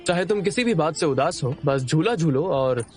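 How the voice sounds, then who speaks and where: A man dubbing a caring young man in a romance drama who speaks calmly and reassuringly. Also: a little high, normal speed, soft background music, close to an everyday voice. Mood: gentle. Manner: calm, gentle, reassuring. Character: caring young man comforting his love. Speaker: male lead in a dubbed romance drama. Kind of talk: dubbed drama acting.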